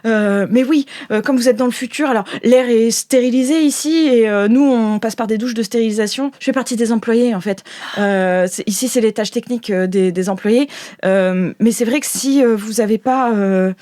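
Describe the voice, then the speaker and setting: A woman's voice: fairly high pitch, normal speed, dark tone, dry recording, close to an everyday voice. A woman playing a helpful, hesitant and apologetic young man who works in a museum of the future, in an improvised sci-fi audio game. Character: eager young male museum employee of the future.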